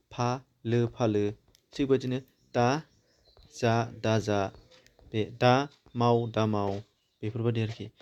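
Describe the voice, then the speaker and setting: Male teacher for an online grammar class. Mellow voice, spells out word parts slowly, dull lo-fi sound. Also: mid-range voice. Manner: spells out word parts slowly, then repeats them, asks questions to the viewer. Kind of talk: grammar lesson, breaking words into syllables aloud.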